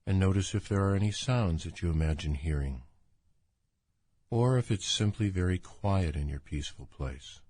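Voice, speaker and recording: A man with a deep, low voice guides a relaxation meditation. His delivery is calm, soothing and unhurried. The recording is dry and close, with no room sound. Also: no echo. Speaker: doctor guiding a relaxation exercise.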